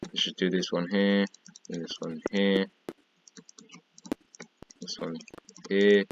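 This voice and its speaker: A man's voice: low voice, flat delivery, takes it slowly, highs cut off, noisy background. A man with a tired, fading voice, casually talking through a block-building tutorial while he works, counting and pointing things out over and over. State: tired, losing his voice. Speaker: gaming tutorial creator.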